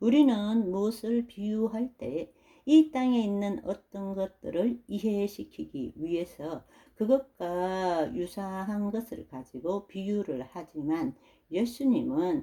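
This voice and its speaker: A woman with a strong Gyeongsang accent speaks very slowly at a medium pitch, in a dark, mellow tone with very wide pitch swings. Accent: strong Gyeongsang (Daegu). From South Korea, Daegu. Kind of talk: devotional sermon-style talk.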